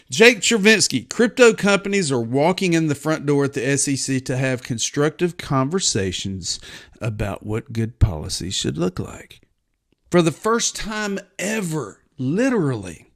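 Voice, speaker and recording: A man hosting his own crypto video show in a casual, animated way, with mock-panicked asides and drawling reassurance. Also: on the high side. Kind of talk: casual solo video commentary.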